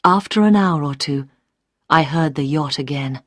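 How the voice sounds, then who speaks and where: A woman reading a story aloud for English learners, clear and deliberate. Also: sits low, no room sound, clean studio sound. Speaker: narrator.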